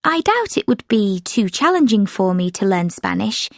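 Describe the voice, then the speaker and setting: A woman's voice: mid-range voice, big pitch swings, normal speed, gravelly, dry recording, clean studio sound. A woman whose first language is French, giving scripted exam answers steadily, with frequent fillers. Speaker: sample answer speaker.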